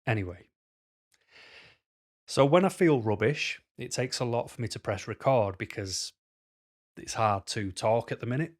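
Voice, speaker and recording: A man, a little hoarse, talking frankly to camera in a rambling way with many pauses and ums. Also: medium pitch, lively intonation. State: slightly hoarse. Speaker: vlogger. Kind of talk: casual talk to camera. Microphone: camera mic.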